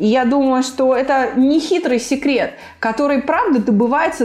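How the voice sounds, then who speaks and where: Music plays in the background as a woman speaks at a moderate pace in a high pitch with lively intonation. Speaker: podcast host. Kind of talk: casual interview.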